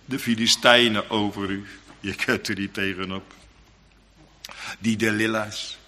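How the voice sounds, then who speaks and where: Male preacher, dramatic and emphatic, slow delivery, sharp tone, sermon in a hall with long reverb. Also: lowish voice, fairly even intonation. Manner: dramatic, emphatic preaching with sudden loud outbursts.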